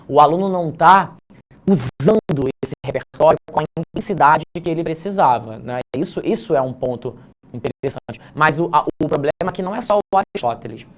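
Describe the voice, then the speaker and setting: A male teacher giving a casual lesson on essay writing, chatty and explanatory, talking to students informally. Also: on the high side. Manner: mixes slangy asides with grammar points. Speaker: teacher correcting an exam essay.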